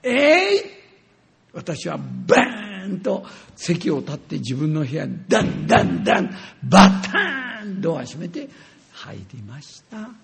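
An older man telling a personal story in a sermon, animated and acting out scenes with sound words. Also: high-pitched, unhurried, creaky. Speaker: preacher.

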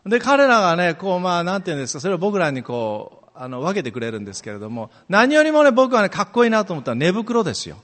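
A middle-aged man from Amami Oshima, a guest preacher telling personal stories in a chatty, animated way with many fillers, recorded in a church. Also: high-pitched, quick pace, few pauses. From Amami Oshima, Japan. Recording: long reverb of a church hall.

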